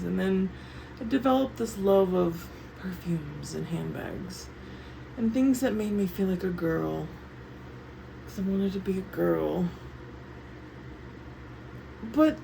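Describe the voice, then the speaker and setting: Woman talking through retainers, lively swooping pitch. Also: gravelly, slight background noise, poor audio. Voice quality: slurred, lisping speech from wearing retainers. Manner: scattered, loose, self-interrupting, drifting between thoughts. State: medicated on painkillers after surgery. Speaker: YouTube vlogger. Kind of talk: casual rambling chat to camera.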